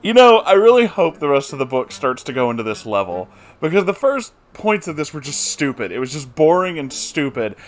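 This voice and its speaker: A man's voice: on the high side, sing-song, a little fast, faint music behind. A man hosting a story-reading channel, giving casual, sarcastic commentary on a book he finds stupid. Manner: sarcastic, exasperated critic.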